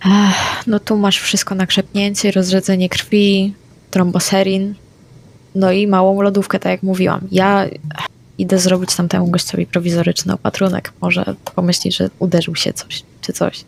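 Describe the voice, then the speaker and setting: A woman playing a tabletop game, speaking her character's lines in a brisk, matter-of-fact way. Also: mid-range voice, completely flat delivery, creaky. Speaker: player.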